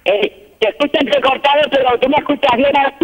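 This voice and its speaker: A woman's voice: sits high, long reverb tail. Woman on a choppy, breaking-up phone line. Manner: calm, reflective, speaks in measured phrases with restarts. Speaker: guest on a phone call. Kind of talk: live phone interview.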